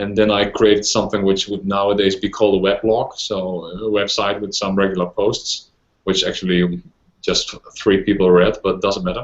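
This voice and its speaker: A man with a Dutch accent and fairly low pitch speaks at a moderate pace in a monotone, flat intonation. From Netherlands. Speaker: neurosurgeon. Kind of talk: interview. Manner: halting, many fillers.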